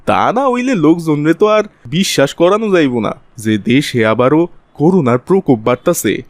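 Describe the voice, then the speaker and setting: Cartoon scheming conman, male actor: Bangladeshi accent, slightly high pitch, wheedling colloquial delivery, dry close sound. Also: expressive, normal speed, no echo, close to an everyday voice. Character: scheming city man, sly profiteer spreading virus panic. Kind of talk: Bengali cartoon voice acting.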